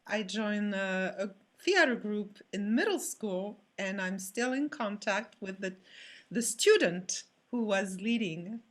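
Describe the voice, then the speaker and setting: A woman with a French accent chats as a performer being interviewed. Her voice sits at a medium pitch, and she talks slowly and haltingly, searching for words. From France. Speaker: physical theater performer. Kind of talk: casual panel interview.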